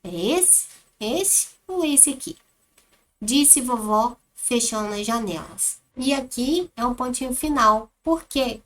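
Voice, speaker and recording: A woman teacher with a Brazilian Portuguese accent, giving a children's lesson and reading aloud with exaggerated, expressive intonation. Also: a little high, slow pace. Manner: animated, exaggerates exclamations and questions for children. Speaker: primary school teacher.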